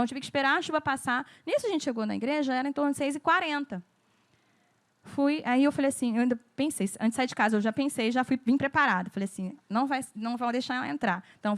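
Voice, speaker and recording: Brazilian woman, church ministry trainer, high voice, storytelling talk with quoted voices. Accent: Brazilian Portuguese.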